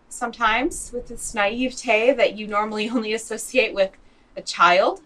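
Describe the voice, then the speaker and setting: A woman's voice: fairly high pitch, fairly bright tone, far from the mic, poor audio. An actress playing a blunt, sardonic, exasperated woman in a comedy audio drama.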